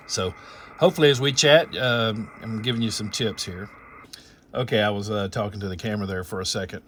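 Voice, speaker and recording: A man's voice: lowish voice, a bit bright, a little hiss or hum. A man hosting as an amateur radio operator, casually talking through technical details in a rambling, explanatory way, thinking aloud as he goes.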